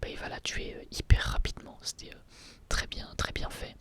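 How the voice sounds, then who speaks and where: An ASMR creator whispering an episode review, hesitant and full of fillers and restarts. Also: brisk. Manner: soft, breathy whisper throughout.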